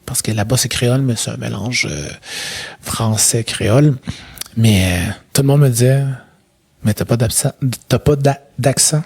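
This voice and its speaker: A man's voice: mid-range voice, normal speed, creaky, darkish tone, breathy edge. Reflective Québécois man in his thirties. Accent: Québécois French. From Quebec. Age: 30s. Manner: reflective, with frequent hesitations. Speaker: guest. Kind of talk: personal storytelling in an interview.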